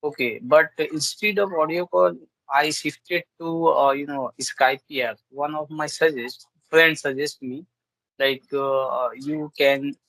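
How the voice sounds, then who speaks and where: A man's voice: a little high, steady tone, takes it slowly, creaky, fairly bright tone, no room sound, low-quality recording. A man with an Indian English accent, Urdu as his first language, chatting hesitantly on a video call while practicing English, with many fillers and restarts. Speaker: English learner. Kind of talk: casual video call chat.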